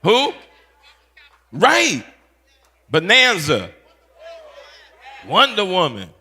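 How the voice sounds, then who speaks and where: A pastor in his fifties, talking in a playful, animated way and teasing his audience with quick call-outs. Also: sits high, breathy edge, a faint crowd. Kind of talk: playful teaching session talk.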